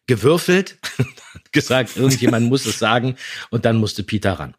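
A man's voice: medium pitch, lively intonation, moderate pace, husky. A man co-hosting a podcast in casual chat, teasing and wry. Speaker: podcast co-host.

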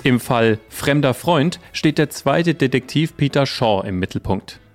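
A man reading a scripted summary as a podcast narrator. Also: mid-range voice. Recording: voice-over with faint music bed.

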